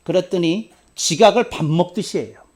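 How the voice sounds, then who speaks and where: A male pastor delivering a sermon, swinging between loud, shouted outbursts and quiet, wry asides. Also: high-pitched, moderate pace.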